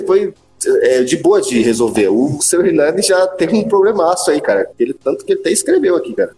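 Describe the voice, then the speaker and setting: With a medium-pitched, reverberant voice, this Brazilian-accented podcast host tells stories in loose, casual conversation. His delivery is lively and slangy, and he swears often.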